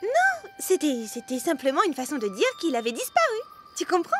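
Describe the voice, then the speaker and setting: Brief: high, lively little cartoon girl, nervous and chatty, music under. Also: brisk. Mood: flustered. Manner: jittery, stammering when scared. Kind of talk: French cartoon dub.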